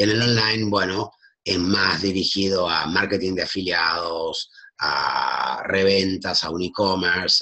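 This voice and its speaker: A man's very deep, low voice. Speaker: business consultant hosting a webinar. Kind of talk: webinar presentation. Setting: live video stream. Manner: animated. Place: home room. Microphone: video call.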